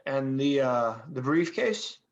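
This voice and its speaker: A man playing a befuddled, laid-back slacker in a script read, halting and vague, with stammers. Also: medium pitch, expressive, dull audio. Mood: aggrieved, hesitant. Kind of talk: table read of a film script.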